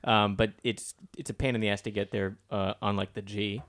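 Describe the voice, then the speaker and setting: A man's voice: on the low side, flat delivery, fairly quick, fairly bright tone, no echo. Casual, hesitant man, close and dry. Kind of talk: casual chat, teasing.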